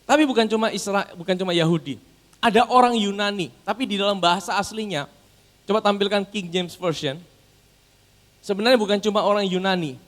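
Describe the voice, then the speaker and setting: A male pastor preaches in a very high, bright voice. He keeps turning to the congregation, putting questions to them and answering them himself. His voice carries a long reverb, as if from a large hall. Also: brisk. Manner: preaching, addressing the congregation as brothers and sisters. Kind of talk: sermon.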